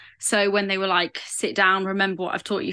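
A woman speaks with an English accent and a bright, sharp tone. The background is quiet. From England. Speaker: new mother sharing birth story. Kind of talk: casual chat.

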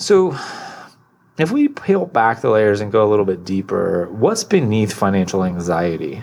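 A man at fairly low pitch, a plain, everyday voice, moderate pace and lively intonation. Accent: American. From San Francisco Bay Area, US. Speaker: podcast host, financial therapist. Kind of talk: interview conversation.

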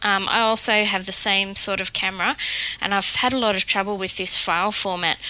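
Here a woman speaks at a medium pitch. Her intonation is fairly even. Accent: Australian. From Australia (Melbourne). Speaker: caller, hobby podcaster. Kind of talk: recorded voicemail question.

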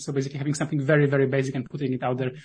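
Here a man speaks with a Polish accent at a fairly high pitch. His voice is somewhat breathy, and the background is quiet. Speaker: founder and developer of VR sailing app. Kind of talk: casual interview conversation. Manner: hesitant, many filler words.

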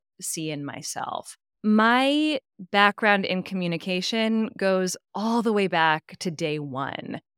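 Over a very clean recording with a silent background and a dry, close sound with no echo, a woman with an American accent speaks in an unremarkable speaking voice at medium pitch with lively intonation. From California. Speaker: voice and communication coach. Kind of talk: interview conversation.

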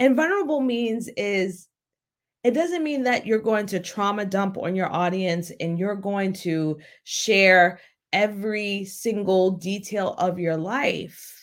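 A woman with an American accent has a plain, everyday voice at a medium pitch, with lively intonation. The recording is very clean, with a silent background. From New York City (Queens). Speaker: professional speaker and podcast host. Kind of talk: solo podcast talk.

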